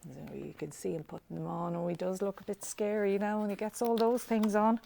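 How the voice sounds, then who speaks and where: A woman's voice: medium pitch, steady tone, fairly quick, vocal fry, warm tone, a little hiss or hum. A woman reading a children's picture book aloud expressively, with asides to young listeners. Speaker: library storyteller.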